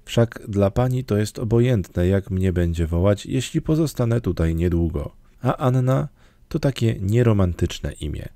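A man's voice: expressive, moderate pace, mellow, no room sound. A man voicing an emotional, talkative orphan girl in an audiobook, pleading and theatrical. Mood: dreamy pleading. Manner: pleading, theatrical, raised higher voice. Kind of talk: audiobook character reading.

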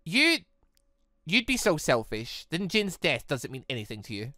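A man's voice: fairly high pitch, wildly swooping pitch, normal speed, pushed and bright, no echo, full character voice. A man voicing an indignant, righteous young warrior woman, incredulous and accusing. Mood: outraged, accusing.

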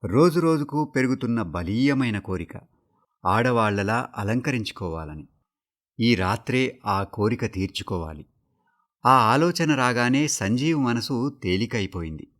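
A man giving a steady, measured reading of a short story for a radio broadcast. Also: mid-range voice. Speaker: story reader. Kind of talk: scripted radio story narration.

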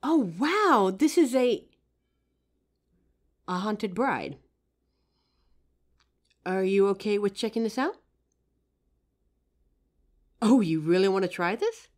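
A woman playing a kind, playful psychic who gently helps a ghost in an audio roleplay. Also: medium pitch, lively intonation, slow, pauses often. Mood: helpful, chatty. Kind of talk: audio roleplay addressed to the listener.

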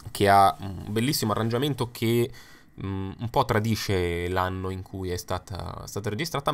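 Young adult male host, deep voice, casual opinionated commentary full of asides. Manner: chatty, opinionated, with frequent fillers and asides. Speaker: YouTube host ranking songs. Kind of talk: casual spoken commentary over slides.

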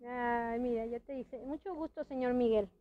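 A woman's voice: on the high side, moderate pace, phone-quality sound, slight background noise. A woman hosting a casual live-stream chat from a friend's house, rambling with many restarts and little laughs, her speech a bit hampered by a dental palate. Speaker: host.

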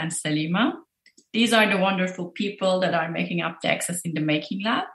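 A woman's voice: on the low side, a bit bright, roomy sound. A woman in her early forties from Turkey, a professor, answering interview questions thoughtfully from her office. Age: early 40s. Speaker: professor and lab director.

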